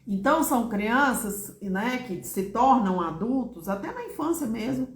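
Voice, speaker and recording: A woman speaking warmly and reassuringly, talking straight to her viewers and sometimes acting out quoted lines. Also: very animated, measured pace, roomy sound. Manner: warm, reassuring, speaks directly to viewers by name; acts out short quoted lines in a higher voice. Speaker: therapist answering viewers' questions. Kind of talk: live online talk.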